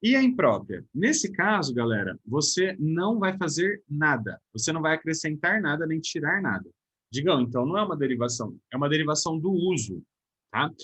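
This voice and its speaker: A man with a Brazilian Portuguese accent teaches a recorded grammar lesson, explaining step by step and checking in with his students. His voice is fairly high, a bit bright and slightly rough.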